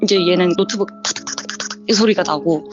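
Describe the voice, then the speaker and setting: A woman guest telling a personal ghost story in a casual interview, lively and acting out the dialogue. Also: lowish voice, quick pace. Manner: lively, acts out the quoted dialogue. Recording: dull lo-fi audio with faint music bed.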